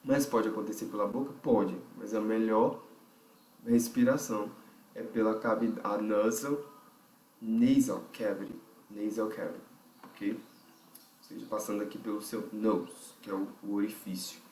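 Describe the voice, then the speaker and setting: A man's voice: fairly low pitch, steady tone, normal speed, a little mellow, a little hiss or hum. A man with a Brazilian Portuguese accent teaching a vocal technique lesson. He explains step by step, thinks aloud and keeps checking in with the listener. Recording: roomy, distant mic.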